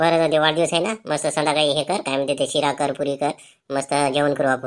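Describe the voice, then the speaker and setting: A woman puts on a character voice with a very deep, low pitch at a fairly quick pace. Her intonation is fairly even and her loudness very even. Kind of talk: rural comedy sketch. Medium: comedy sketch. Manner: gruff, grumbling, dismissive.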